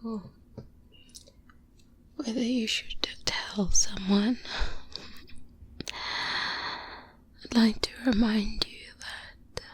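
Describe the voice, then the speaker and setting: In a soft-spoken ASMR roleplay, a woman voices a calm, cautious, veteran vampire hunter guiding a trainee, her fairly high-pitched, fully in-character voice a soft, breathy whisper. She sounds earnest and reassuring, speaking slowly and hesitantly with murmured pauses and hums. A close binaural microphone captures her up close, with background noise clearly audible.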